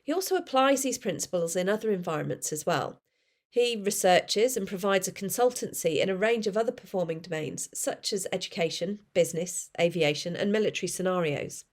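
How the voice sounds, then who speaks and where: A woman hosting a podcast who reads a guest introduction in a clear, measured way and then asks conversational questions. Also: fairly low pitch, lively intonation. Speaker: podcast host.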